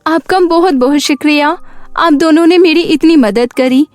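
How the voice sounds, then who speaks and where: A woman's voice: high voice, normal speed, no room sound, soft background music, lightly acted. A woman voicing a sweet, earnest young orphan girl in a cartoon moral story. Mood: grateful, sad.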